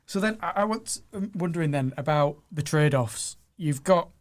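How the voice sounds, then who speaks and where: A man's voice: a little high, expressive, moderate pace. A man co-hosting a podcast, asking questions in a casual, lightly joking way. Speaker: podcast co-host. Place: studio.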